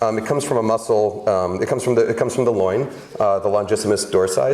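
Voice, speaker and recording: A man with an American accent talks at a very fast pace. The recording has audible room echo and noticeable background noise. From New York City. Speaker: food writer and chef. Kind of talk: lecture with live demo. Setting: stage with audience. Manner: many fillers and restarts.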